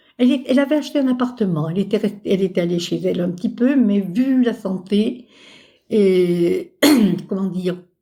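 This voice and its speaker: This woman's voice is somewhat breathy, with a dark, mellow tone at a medium pitch. She speaks at a moderate pace with lively intonation. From Auvergne, France. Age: 80s+. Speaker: retiree in senior residence. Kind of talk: interview testimony.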